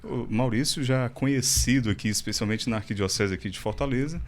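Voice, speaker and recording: A man hosting a podcast, chatting warmly and joking lightly as he introduces his guest. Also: mid-range voice, a little fast, slight background noise. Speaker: podcast host. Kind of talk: casual interview chat.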